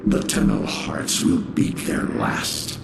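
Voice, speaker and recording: An actor playing a vengeful, shadowy warlord in a video game, ominous and declamatory in an archaic way. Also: male voice, takes it slowly, lightly acted. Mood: menacing. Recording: loud game rumble and noise.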